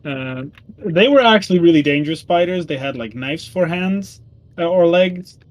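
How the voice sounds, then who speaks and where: A man's voice: a little high, animated, moderate pace, rough recording. A man recapping the last tabletop game session in casual chat, full of ums and self-corrections. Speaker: player giving the session recap.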